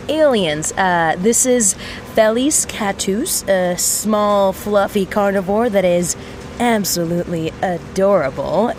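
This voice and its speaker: A woman playing an excitable young mechanic in an audio drama, theatrical, playful and prone to halting, rambling speeches. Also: medium pitch, a little hiss or hum. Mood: playful, curious. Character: excitable young tinkerer mechanic fond of explosions, scheming and playful. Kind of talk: audio drama monologue addressed to aliens.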